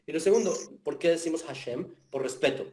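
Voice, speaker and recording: A man gives an online class and answers questions, explaining patiently and often asking if he is followed. His voice sits a little high with a warm, mellow tone. The sound comes over a video call. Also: a little fast. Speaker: teacher of Jewish philosophy.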